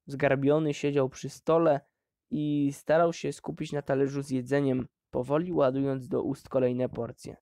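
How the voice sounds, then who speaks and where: A man narrating an audiobook in a measured, deliberate way. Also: mid-range voice, little pitch movement, warm tone.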